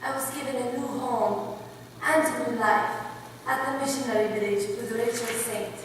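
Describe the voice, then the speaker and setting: Woman as young tribal refugee, defiant and earnest, high bright voice, stage storytelling in an echoing hall. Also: fairly even intonation, moderate pace, close to an everyday voice. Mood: solemn. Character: Dayume, young Waodani woman who fled her violent people, defiant. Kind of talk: readers' theater recital, dramatic narration. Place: large indoor recital hall, distant microphone. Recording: echoey hall from far off, faint noise.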